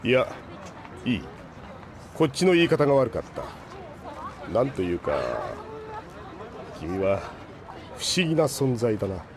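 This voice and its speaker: A stoic older man who reasons in formal, deliberate phrases. His mid-pitched voice moves widely, with faint noise behind. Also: very animated, crowd noise. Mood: stoic, pensive. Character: stoic, reflective older man of measured logic. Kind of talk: anime-style audio drama acting.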